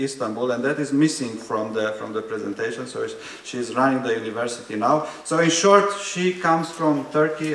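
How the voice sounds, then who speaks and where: Man from Romania, panel moderator, measured and hesitant delivery, mid pitch, echoey conference hall. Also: a bit bright. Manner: measured, hesitant with frequent fillers, dry humor. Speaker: higher education policy researcher. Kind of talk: academic panel introduction.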